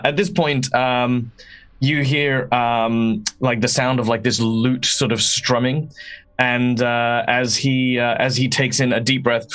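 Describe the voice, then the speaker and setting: A man playing a tabletop role-playing game, improvising description and dialogue in halting, hesitant phrases. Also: medium pitch, a bit bright, low-quality recording.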